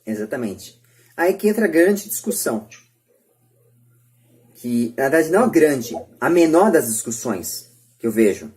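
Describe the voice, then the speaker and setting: A woman's voice: extremely low pitch, very animated, measured pace, long pauses, a little mellow. A Brazilian woman hosting a podcast debate, speaking in an emphatic, repetitive, opinionated way. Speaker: podcast host.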